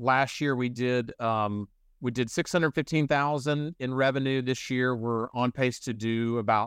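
A man's normal speaking voice at medium pitch and moderate pace, with ordinary pitch variation, a quiet background and a dry, close sound with no echo. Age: 30s. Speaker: sales trainer and real estate investor. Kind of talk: live online sales workshop. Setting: video call with screen sharing.

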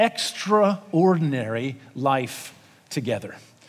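With a Canadian accent, a man talks in a fairly high pitch and lively intonation against noticeable background noise. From Canada. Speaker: preacher. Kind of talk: sermon. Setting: church.

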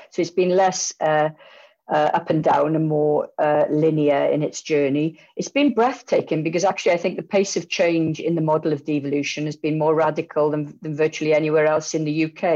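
A woman with a Welsh accent talks at a fairly quick pace, with a very deep, low pitch and a dark, mellow tone. Her intonation is fairly even, and the background is quiet. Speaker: professor. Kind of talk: panel discussion. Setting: video call.

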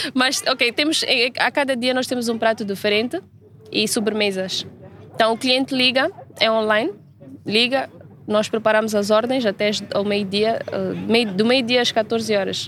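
A woman with a fairly high pitch talks at a moderate pace with long, frequent pauses, ordinary pitch variation and very even loudness, over noticeable background noise. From Mozambique. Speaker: green entrepreneur. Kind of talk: podcast interview. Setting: outdoors.

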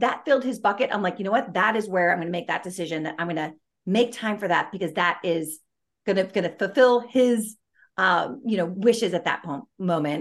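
At a fairly quick pace, a woman talks in a plain, everyday voice of medium pitch with ordinary pitch variation. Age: 50s. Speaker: entrepreneur and mom. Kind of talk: interview.

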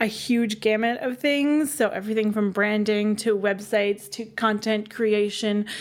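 In a plain, everyday voice, a woman with a Canadian accent speaks fairly slowly at a fairly high pitch, keeping her intonation fairly even. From northeastern Ontario, Canada. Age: 30s. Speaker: design director sharing money problems. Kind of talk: interview.

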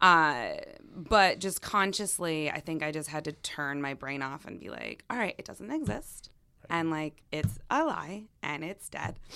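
In a very clean recording with a silent background, a woman with an American accent talks at a fairly slow pace in a very deep, low pitch, with ordinary pitch variation and big swings in loudness. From North Carolina. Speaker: comedian and musician. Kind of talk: casual chat. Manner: animated.

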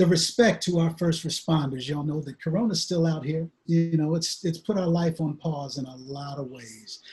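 With a dark, mellow tone, a man speaks at a moderate pace at a fairly high pitch with ordinary pitch variation. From Memphis, Tennessee. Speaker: talk show host. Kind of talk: live-streamed interview show. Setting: Facebook Live video stream from home. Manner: animated.

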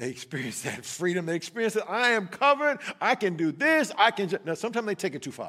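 In a very clean recording with a silent background, a man with a high pitch and a bright, sharp tone speaks very fast in a raised, projected voice, animated in tone with very wide pitch swings. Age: 50s. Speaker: pastor. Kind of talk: sermon.

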